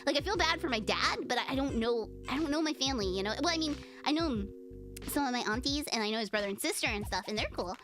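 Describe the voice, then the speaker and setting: A woman's voice: sits high, animated, fast talker. A young woman VTuber chatting casually on a livestream, giggling and rambling with many fillers as she reads comments. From United States. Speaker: VTuber streamer. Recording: music playing behind voice.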